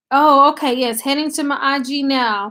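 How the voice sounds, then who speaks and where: In a Southern US accent, a woman speaks very slowly in a high pitch. Her voice is raised and projected, with a bright, sharp tone. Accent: country Southern. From US South, Tennessee. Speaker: YouTuber. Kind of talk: live stream chat. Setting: live stream. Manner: casual, chatty.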